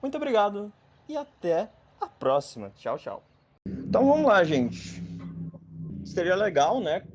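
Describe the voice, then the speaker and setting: A podcast host in his twenties from northern Paraná, Brazil, chats in a casual, jokey way, frequently tagging sentences with "né?". His high-pitched voice is sing-song and a little slow, with frequent pauses. Slight background noise is audible.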